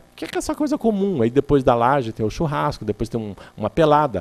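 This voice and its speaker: Very wide pitch swings run through a man's very fast speech. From Brazil, interior of São Paulo state (Presidente Prudente). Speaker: labor lawyer and lecturer. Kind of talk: lecture.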